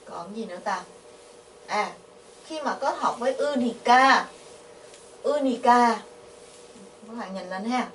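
A woman's voice: on the high side, animated. Vietnamese woman teaching Korean grammar. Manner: patient, asks the class questions, repeats syllables slowly. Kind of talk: explaining grammar. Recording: echoey, from a distance, faint noise.

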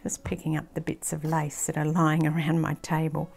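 An older woman with an Australian accent, casually thinking aloud as she works on a craft project, sometimes dropping into a soft near-whisper. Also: low-pitched, monotone, moderate pace, creaky. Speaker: craft channel host. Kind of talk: casual craft-along commentary. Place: indoor craft table, filmed from overhead.

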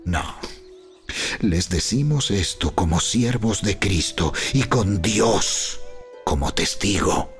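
A man playing an earnest, humble apostle in a dramatized scripture reading, with solemn, deliberate, booming biblical narration. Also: lively intonation, faint music behind. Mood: earnest, insistent.

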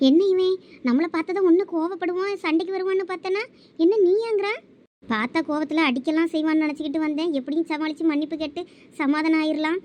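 A woman playing a scheming, spiteful ex-lover in a village drama, with a low calculating tone. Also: fast, darkish tone. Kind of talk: village web-series acting.

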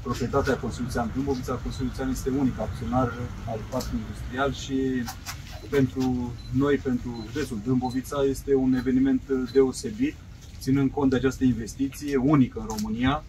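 A man's voice: medium pitch, flat delivery. A man making a formal, declarative public statement as a county official. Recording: noisy outdoor recording with traffic.

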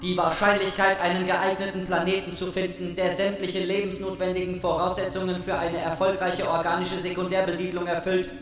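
A man plays a coldly logical male machine in a sci-fi radio play. The voice is high and very flat, arguing formally without emotion. It sounds distant in heavy echo. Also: fairly quick, hardly any pauses, slight background noise, natural voice. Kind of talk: science fiction radio play acting. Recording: distant, heavily echoing, faint music.

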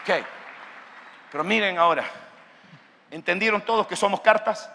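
A male pastor preaching a sermon at a youth conference, with an impassioned delivery that rises to shouts. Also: sits high, normal speed, creaky, long reverb tail, crowd noise, background noise. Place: large hall at a youth conference.

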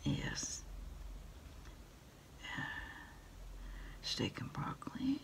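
Whispering middle-aged woman, slow and hushed. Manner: hushed, halting, unhurried. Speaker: ASMR creator playing a takeout order taker on the phone. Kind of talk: ASMR roleplay, whispered one-sided phone conversation.

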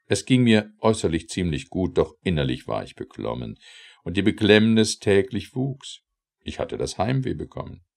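A man narrating a rhymed verse epic as an audiobook, reciting in a measured, expressive way. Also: deep voice, creaky.

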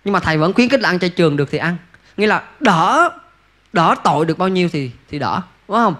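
Man, Buddhist monk, sermon, high bright voice, rhetorical questions. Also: lively intonation, fast talker. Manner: folksy, asks listeners rhetorical questions. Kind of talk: Buddhist dharma talk answering questions.

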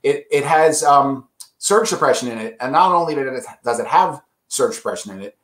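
A man's voice: mid-range voice, lively intonation, normal speed, a bit bright, roomy sound. A man representing an audio brand, casually explaining products in an enthusiastic, salesy way.

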